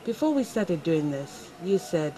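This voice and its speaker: A woman hosting a morning talk show, steering her guests with measured questions. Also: lowish voice, big pitch swings, mellow, slight background noise, rough recording.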